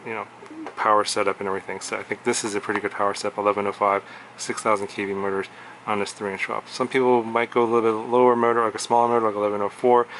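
A man with a low, fairly flat voice talks through a casual product review at his workbench, relaxed and rambling, with plenty of ums and restarts. His tone is bright and forceful, and a faint room ambience sits behind him. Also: a little hiss or hum. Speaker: drone review host. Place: indoor workshop desk.

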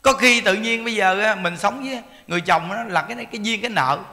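A man, a Buddhist monk giving a sermon in a folksy, animated storytelling manner. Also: high voice, quick pace. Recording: long hall reverb.

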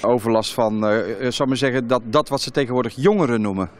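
A man's voice: mid-range voice, fast. A man in his forties doing informal street interviews outdoors with a handheld microphone. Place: outdoor market.

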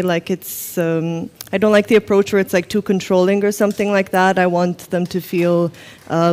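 A woman's voice: on the low side, a little mellow, clear, resonant tone. A young woman director from Croatia answering interview questions thoughtfully, with many fillers. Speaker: film director. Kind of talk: festival interview. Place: festival lounge set, indoors.

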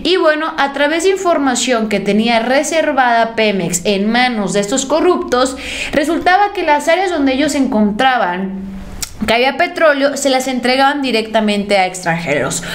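A young woman with a Mexican accent delivers political commentary in an emphatic, sarcastic way, her fairly high voice jumping around as she makes her points. She sits close to a webcam in a small room that rings with noticeable echo. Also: normal speed. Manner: emphatic, sarcastic, animated pitch swings. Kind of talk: opinionated news commentary. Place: indoor room at a desk. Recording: roomy echo.

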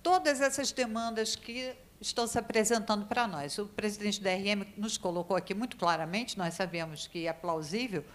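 A woman's voice: mid-range voice, moderate pace, few pauses. A woman speaks at a legislative committee hearing, emphatic and worried, thinking aloud with restarts and shivering from the cold. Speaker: committee member questioning experts. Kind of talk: spontaneous committee speech.

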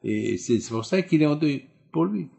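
Mellow-voiced rabbi, emphatic sermon. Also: male voice, fairly high pitch, lively intonation, moderate pace, gravelly. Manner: repetitive, emphatic rhetorical questions.

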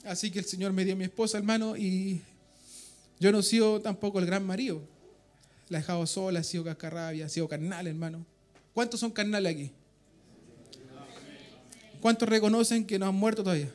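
A man's voice: high voice, steady tone, fairly quick, pauses often, a little mellow, soft background music. A man with a Chilean accent giving a fervent testimony to a church congregation, often calling out to his brothers in faith. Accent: Chilean Spanish. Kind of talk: emotional spoken testimony in church. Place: church meeting room.

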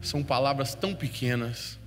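A man preaching a sermon, telling a story with feeling and swinging from hushed to loud. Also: medium pitch, moderate pace. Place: church hall. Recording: long hall reverb with faint music.

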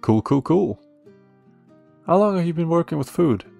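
In this romance audio roleplay, a male actor voices a protective, friendly young café worker with a fairly high, creaky, animated voice. The character is admiring and curious, teasing gently and hesitating between phrases, while soft guitar music plays.

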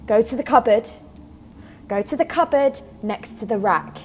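A woman's voice: on the high side, expressive, moderate pace, darkish tone, slight background noise, natural voice. A woman acting in an audio drama as a brittle, controlling, moth-obsessed scientist, speaking in a fussy, repetitive, coaxing way. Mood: eerily controlled.

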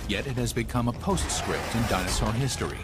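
A man's voice: medium pitch, lively intonation, brisk. A man narrating a nature documentary in a scripted, dramatic and emphatic style. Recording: music under the voice. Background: dramatic background music.

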